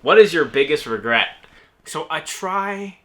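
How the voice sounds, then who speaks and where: Young adult male YouTuber from New Orleans, casual Q&A host, teasing humor, raised voice with a sharp, bright tone. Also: fairly high pitch, animated, unhurried. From New Orleans, United States. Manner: laid-back, joking, self-teasing. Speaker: YouTuber answering viewer questions. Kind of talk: casual Q&A vlog.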